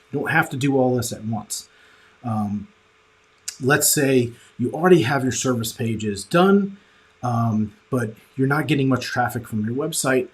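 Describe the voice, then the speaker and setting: A man presenting an informal instructional training as a coach, explaining step by step and often checking in with the listener. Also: mid-range voice. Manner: explanatory, checks in with "right?" and "okay?".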